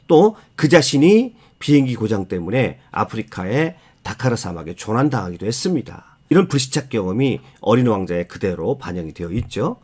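Expressive male literature lecturer, lively pitch swings. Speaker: book narrator and lecturer. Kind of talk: explanatory storytelling lecture about literature.

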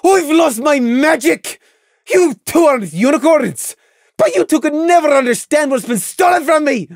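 A young female pony at the end of her tether. She is high-pitched and shrill, ranting through tears with bitter spite. It is a storybook character in full despair, recorded very dry. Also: lively intonation, measured pace, a little mellow, dry recording. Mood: spiteful rage. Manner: shrieking, tearful, spiteful ranting.

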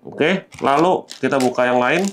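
A man's voice: mid-range voice, unhurried, slight background noise. A man hosting a casual gadget unboxing, explaining things conversationally to viewers and mixing in English terms. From Indonesia. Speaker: gadget reviewer and vlog host. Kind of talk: casual product unboxing commentary.

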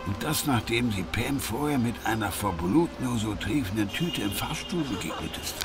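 An actor playing a gossipy married neighbour, hesitant and hemming, in an audio drama. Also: male voice, fairly low pitch, lively intonation, normal speed, loud music behind the voice, close to an everyday voice. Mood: apologetic. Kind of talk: German audio drama acting.

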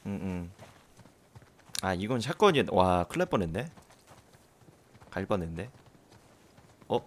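Fast-talking male game streamer. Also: low voice, very animated, slight background noise. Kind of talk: casual gameplay commentary. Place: indoors at home.

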